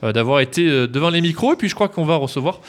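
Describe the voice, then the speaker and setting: A man's voice: on the high side, lively intonation, quick pace. A man hosting a radio interview on location, asking questions with frequent fillers. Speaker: radio host. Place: nursing home.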